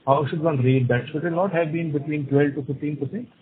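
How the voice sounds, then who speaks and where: A man's voice: fairly high pitch, fairly quick, husky. A man questioning company management as a financial analyst on a conference call. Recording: noisy phone line with clicks.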